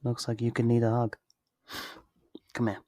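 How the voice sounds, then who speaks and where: A man acting in an ASMR roleplay as a tender, wistful best friend, speaking softly and earnestly in an intimate way, close to the mic. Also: mid-range voice, completely flat delivery, no echo, close to an everyday voice. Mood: fond, reassuring. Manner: slow, intimate, earnest, with sighs and pauses. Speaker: ASMR voice actor. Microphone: close studio mic, dry.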